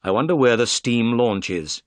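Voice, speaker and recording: A man reading the lines of a calm, clever detective in a brisk, polite, measured way. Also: medium pitch, no room sound, close to an everyday voice.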